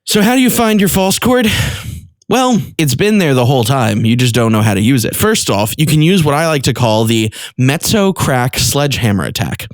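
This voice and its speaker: A man's voice: medium pitch, expressive, normal speed, no echo. Man teaching vocal technique, very dry recording. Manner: informal, explanatory. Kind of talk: instructional talk with short vocal demonstrations.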